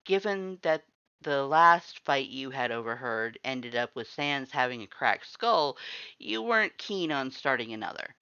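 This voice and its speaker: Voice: mid-range voice, lively intonation, a little slow, sharp tone, clear, resonant tone. An amateur narrator reading scripted fan fiction in the second person, telling the scene as a story. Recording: roomy echo, slightly dull sound.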